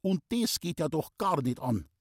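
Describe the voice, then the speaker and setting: A man reading an audiobook, voicing a sharp-tongued old village mother in a Bavarian accent, fussy and scolding. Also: a little high, big pitch swings, moderate pace, husky, no room sound, studio quality, pitched above the performer's own voice. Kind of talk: audiobook character voice.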